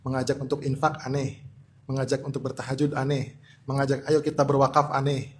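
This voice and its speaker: Measured man preaching, faint hiss. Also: mid-range voice. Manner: steady, building listing cadence. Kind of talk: formal sermon opening, measured.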